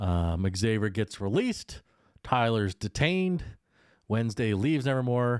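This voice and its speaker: An ordinary speaking voice comes with lively intonation at a moderate pace. The very clean recording has a silent background and a dry, close sound with no echo. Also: man, medium pitch for a man. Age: 40s. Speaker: podcast host. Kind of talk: casual chat.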